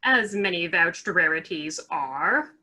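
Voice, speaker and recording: Woman playing bright-voiced, sharp-tongued mocking lord. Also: on the low side, expressive, takes it slowly, full character voice. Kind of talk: Shakespeare read as a radio play.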